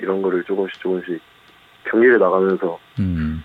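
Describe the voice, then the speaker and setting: This is a man speaking. His pitch is fairly low. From South Korea, Masan. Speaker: professional baseball player. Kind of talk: interview. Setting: phone call. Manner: clipped military-style politeness.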